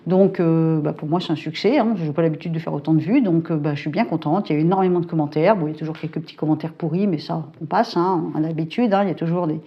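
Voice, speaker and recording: At home, a middle-aged woman who's a psychic YouTuber talks casually to camera in a deep voice, and the audio has its highs cut off. Her chat is brisk and colloquial, packed with fillers and hesitations, and she describes herself as hyperactive.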